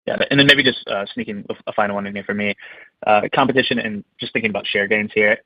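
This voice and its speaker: A man's voice: on the low side, fast talker, no echo. A man asking questions as a financial analyst on an earnings call. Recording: dull, muffled conference call audio.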